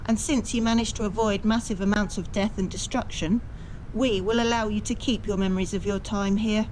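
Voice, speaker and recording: A cautious, stern ruler-witch in an audio play, played by a woman. The voice sits at a medium pitch and stays formal, with faint rumbling noise behind it. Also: fairly even intonation, fairly quick, darkish tone, lightly acted, rough recording.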